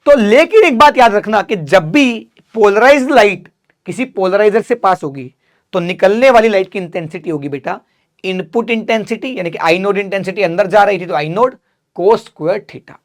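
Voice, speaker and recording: A man's voice: high-pitched, animated, moderate pace. Male physics teacher, revision lecture, casual and direct, answers his own questions. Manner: asks students questions then answers them; calls students "beta", casual and direct.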